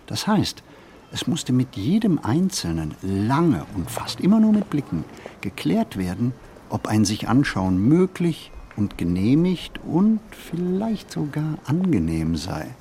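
An actor playing a pensive, hesitant city stroller in a radio play monologue, speaking deliberately and haltingly with a husky voice. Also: male voice, mid-range voice, wildly swooping pitch, warm tone, a little hiss or hum. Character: male pensive, hesitant city stroller musing on everyday life.

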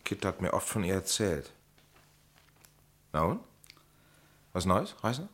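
An inquisitive investigator in a crime radio play. The voice sits low, with animated rises and falls. His delivery is emphatic and theatrical. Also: slow pace, heavily acted. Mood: curious. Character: deep-voiced, inquisitive man piecing together a murder case. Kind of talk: German crime radio drama acting.

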